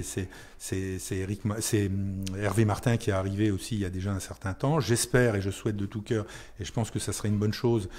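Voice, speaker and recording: A man's voice: on the low side, darkish tone. A man speaking as a town mayor in an unscripted radio interview, hesitating and repeating words as he searches for phrasing.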